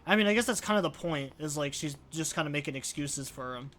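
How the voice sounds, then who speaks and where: A man's voice: on the high side, expressive, fast, fairly bright tone, a little hiss or hum. A man streaming a let's play with casual, informal, opinionated commentary.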